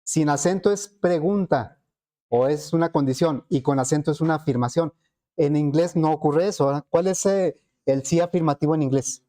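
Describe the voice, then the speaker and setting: A man's voice: fairly high pitch, normal speed, mellow. A man teaching a programming class, explaining step by step and asking the students rhetorical questions. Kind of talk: classroom lecture.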